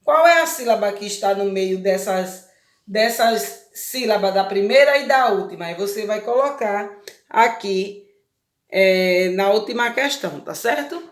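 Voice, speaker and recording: A woman's voice: mid-range voice, lively intonation, a little slow. A Brazilian woman teaching a recorded lesson to young children. She explains step by step and keeps checking that they follow. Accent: Brazilian Portuguese. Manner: patient, explains step by step with many check questions. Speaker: primary school teacher. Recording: echoey room.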